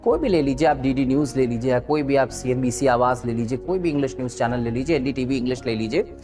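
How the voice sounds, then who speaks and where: A man's voice: mid-range voice, quick pace, a little mellow, soft background music. A man with an Indian accent teaching spoken English, switching between Hindi and English with frequent fillers and restarts.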